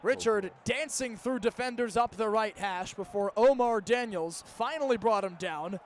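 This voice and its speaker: High-pitched young male play-by-play announcer. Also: moderate pace, slight background noise. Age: early 20s. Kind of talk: live American football radio commentary. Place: outdoor stadium broadcast position.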